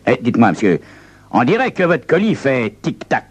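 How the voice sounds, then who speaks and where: A man voicing a flustered male police lieutenant who is polite but quick to panic. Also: medium pitch, big pitch swings, husky, pitched above the performer's own voice. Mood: officious.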